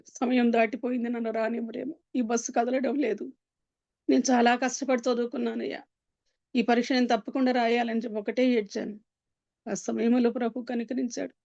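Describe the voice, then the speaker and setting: Woman, heartfelt testimony speaker, fairly high pitch, earnest with halting pauses, dry lo-fi recording. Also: level tone, a little mellow, dry recording. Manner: earnest, pleading, with long pauses and many fillers. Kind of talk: emotional personal testimony. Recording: dull, dry lo-fi sound.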